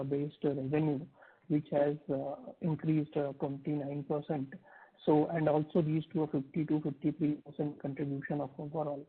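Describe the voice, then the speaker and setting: Over a thin, narrow phone line, a man with an Indian accent asks questions as an analyst on an earnings call. His slightly rough voice runs on the high side, and he phrases things hesitantly, piece by piece.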